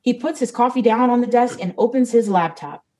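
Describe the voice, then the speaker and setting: Mellow woman reading stage directions. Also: a little high, fairly quick, rough recording. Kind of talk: scripted narration of stage directions.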